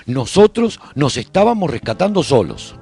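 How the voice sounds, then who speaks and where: A man narrating a radio drama as an earnest, resolute survivor chronicling his colony in a solemn, deliberate way. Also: a little high, big pitch swings, creaky, mellow.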